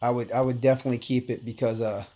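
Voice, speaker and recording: Streaming a mobile game, a man born in Korea, a native Korean speaker, chats casually with his audience, reading messages aloud and addressing viewers as "man". His medium-pitched voice is mellow, with fairly even intonation, but he talks at a racing speed.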